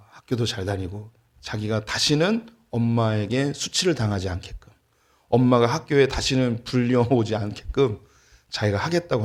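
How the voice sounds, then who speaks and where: A middle-aged man preaching as a pastor, with a voice of ordinary middle pitch. He tells a family anecdote in a relaxed, storytelling sermon style, with touches of dry humor. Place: church sanctuary.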